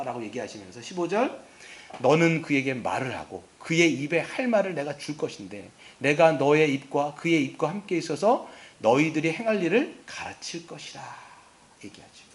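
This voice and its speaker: A male pastor preaching a lively, conversational sermon, asking his congregation questions and acting out the words of the scripture figures. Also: a little high. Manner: acts out God's and Moses' words in a casual voice. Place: church.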